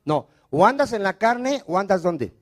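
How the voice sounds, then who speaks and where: Male pastor, sermon, call-and-response, high voice, rhetorical questions. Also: very animated, moderate pace. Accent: Mexican Spanish.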